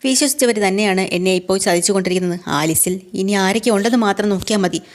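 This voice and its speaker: A woman's voice: mid-range voice, fast talker, natural voice. A woman voicing a hot-tempered middle-aged husband. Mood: angry. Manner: gruff scolding.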